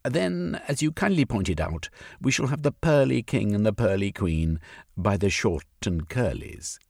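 A man's voice: fairly low pitch, animated, unhurried, gravelly, darkish tone, no echo, clean studio sound, pitched above the performer's own voice, heavily acted. A man reader voicing a cold, commanding government agent who gives clipped, stern orders.

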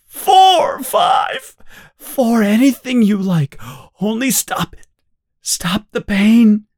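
A man doing a sobbing tortured man, pitched high. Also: very animated, drawn-out words, breathy edge, exaggerated voice. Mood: anguished pleading. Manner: high strained cries, breaking into shouts. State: crying. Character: tortured grown man, desperate, pleading, sobbing. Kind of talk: audiobook character voice.

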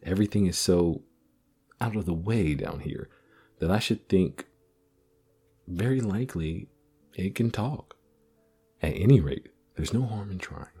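A man's voice: low-pitched, animated, unhurried, long pauses, mellow, slightly rough, faint music behind, heavily acted. A man voicing a curious, polite young girl who chatters earnestly.

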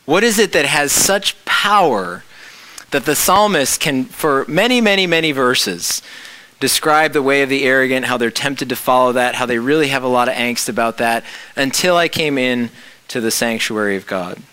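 A man's voice: medium pitch, moderate pace, pushed and bright, clean tone, dry recording, low-quality recording. A man preaching a reflective sermon, explaining scripture with rhetorical questions.

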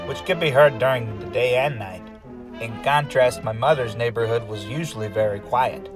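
A man reads a first-person tale as scripted narration. His voice sits in a middle register. Music plays clearly behind the reading. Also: mid-range voice. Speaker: story reader.

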